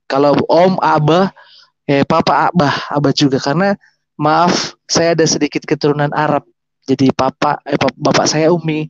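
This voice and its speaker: Man, 30s, Makassar Indonesian accent, testimony storytelling, full of restarts, a bit high-pitched. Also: a little hiss or hum. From South Sulawesi, Indonesia. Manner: rambling, with many restarts and fillers. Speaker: guest sharing a testimony. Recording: dull lo-fi sound.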